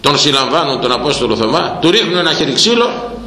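A man preaching a storytelling sermon, telling a tale in a lively way and acting out the characters. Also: fairly high pitch. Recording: echoey hall with long reverb.

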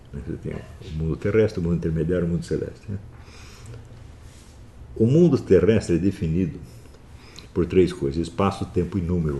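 A man giving a philosophy lecture, swinging from calm explaining to forceful scolding. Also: sits low. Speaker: philosophy teacher. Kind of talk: recorded online lecture.

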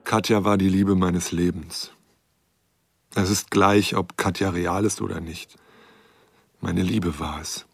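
A lonely, devoted astronomer in a radio play. His very low voice is husky and gravelly, grave and confessional, recorded close and dry. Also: steady tone, takes it slowly, long pauses, dry recording, faint music behind, exaggerated voice. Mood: resigned, tender. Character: lonely lovesick male astronomer, resigned and devoted. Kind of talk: radio drama monologue.

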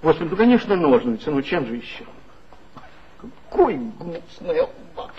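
A man's voice: a little high, sing-song, normal speed, breathy edge, exaggerated voice. An actor playing a nervous, evasive male office worker in a 1960s radio play. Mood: flustered. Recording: dull lo-fi old radio recording.

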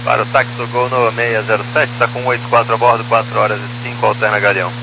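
A man's voice: medium pitch, level tone, quick pace, music in the background. A man with a Brazilian accent talking as a pilot in helmet-radio style over a two-way aviation radio. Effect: two-way radio transmission. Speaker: airline or aircraft pilot on radio. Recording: noisy aircraft radio with mains hum. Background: hum and radio noise.

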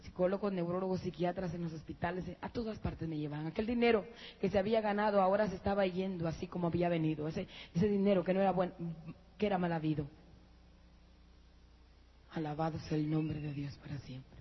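A woman giving an emotional church testimony, speaking to listeners as brothers and rising to high, excited peaks. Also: fairly quick, breathy edge. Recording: muffled lo-fi church recording.

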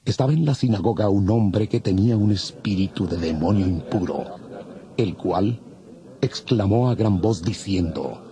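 Low, mellow male scripture narrator. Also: expressive. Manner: measured, formal. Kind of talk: scripted dramatized Bible narration.

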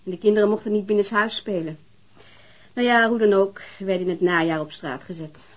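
A woman's voice: mid-range voice, fairly quick, natural voice. An actress playing a weary, defensive divorced mother, answering questions hesitantly in a naturalistic radio drama. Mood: defensive, aggrieved.

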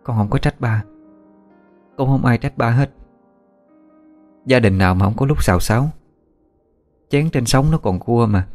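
Dutiful young daughter, read by a man, soft, soothing, slightly raised pitch. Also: a little slow, long pauses, faint music behind, natural voice. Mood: tender.

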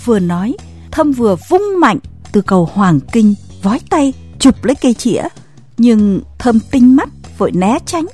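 A woman narrates a story, her voice breathy and husky yet lively in pitch. Gentle music plays faintly behind her reading. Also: moderate pace.

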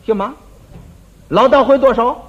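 High husky crosstalk storyteller. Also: male voice, measured pace. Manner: stammering, teasing back-and-forth. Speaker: crosstalk performer. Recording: dull lo-fi old recording.

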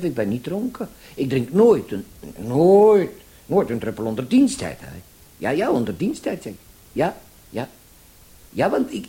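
A man's voice: a little high, warm tone. An actor in a Dutch radio play voicing a self-important, bumbling policeman who rambles and stammers, swinging between deference and bossiness. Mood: flustered, defensive. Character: bumbling, excitable, self-important male policeman, number zero-eight.

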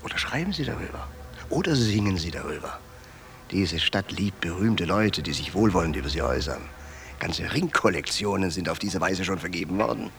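An actor playing an insistent, menacing and calculating wealthy jeweler in a radio drama. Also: male voice, low-pitched, animated, brisk, gravelly, fairly bright tone, soft background music, exaggerated voice. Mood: pressing, sardonic.

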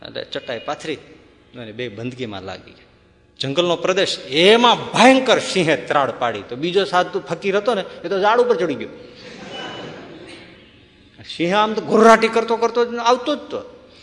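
A man gives a spiritual discourse in a slightly high voice that rings through a large reverberant hall. He tells his parable with lively changes of tone, acting out the exchanges between its characters. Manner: animated storyteller acting out dialogue. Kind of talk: devotional storytelling sermon.

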